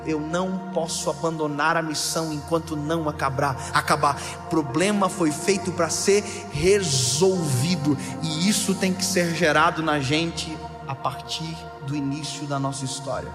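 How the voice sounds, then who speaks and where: A man in his thirties preaching a sermon with emphatic, playful delivery, rising to near shouts. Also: fairly high pitch. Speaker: pastor. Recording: live hall with long reverb and music.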